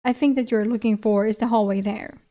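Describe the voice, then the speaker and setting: A woman's voice: fairly high pitch, steady tone, a little fast, mellow, lightly acted. Woman reading as a wry male army cook. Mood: knowing. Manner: dry, knowing.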